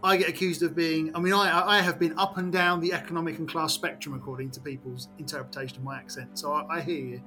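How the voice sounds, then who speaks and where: Bright, higher-voiced English man chatting. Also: steady tone, fast, few pauses, soft background music. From England. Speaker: podcast co-host and game master. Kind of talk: casual chat.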